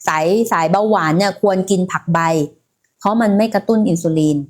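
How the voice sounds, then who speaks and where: A woman's voice: medium pitch, fairly quick, darkish tone. A woman hosting a casual health livestream, talking in a chatty way and speaking straight to her viewers. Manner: chatty, many fillers, addresses viewers directly.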